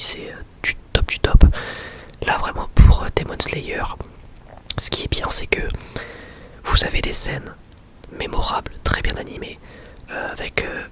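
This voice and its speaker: A man whispering a casual ASMR review in a breathy, unvoiced voice, chatting informally and often rephrasing himself as he goes. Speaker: ASMR video creator and anime reviewer.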